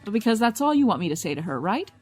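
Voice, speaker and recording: A woman's voice: medium pitch, big pitch swings, quick pace, darkish tone, soft background music. An actress playing a stubborn, stressed woman detective with a terse, dry delivery in an audio drama. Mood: guarded, irritated. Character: stressed, stubborn, guarded female police detective. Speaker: police detective.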